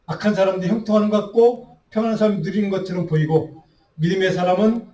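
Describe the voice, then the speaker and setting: Male pastor, high pitch, earnest Bible study sermon, rhetorical questions, distant mic, roomy echo. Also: steady tone, quick pace, dark tone. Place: church sanctuary.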